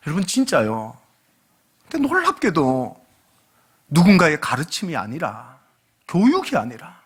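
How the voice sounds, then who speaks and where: A pastor in his late forties preaching a sermon, his voice swinging widely up and down as he tells stories. He is animated and humorous, slipping into other people's voices as he talks. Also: fairly high pitch, husky. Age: late 40s. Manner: animated, humorous storytelling that acts out quoted dialogue. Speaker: guest pastor.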